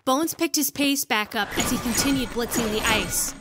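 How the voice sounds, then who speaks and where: A woman's voice: a little high, normal speed. A woman reading scripted narration for an audio drama as the storyteller. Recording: clear background noise.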